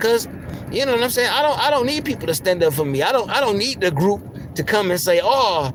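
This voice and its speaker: A man talks at a very fast pace in a high pitch, with very wide pitch swings and very even loudness. Noticeable background noise runs underneath. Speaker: livestreamer. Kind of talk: livestream rant. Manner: animated.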